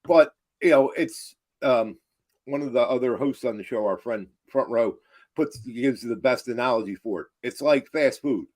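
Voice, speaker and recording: A man's voice: medium pitch, moderate pace, a little mellow. A man co-hosting a show with casual, wry banter and argumentative commentary. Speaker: show co-host.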